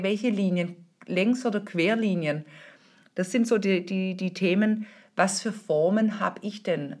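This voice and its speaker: Woman style consultant, middle-aged, casual podcast explainer, chatty and informal, mid-pitched voice. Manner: chatty, informal, many fillers and restarts.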